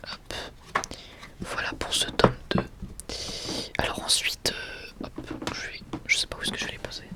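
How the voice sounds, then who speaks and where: A person whispering softly and casually in an unscripted, hesitant ASMR presentation. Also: measured pace, pauses often. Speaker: ASMR video creator presenting a manga collection.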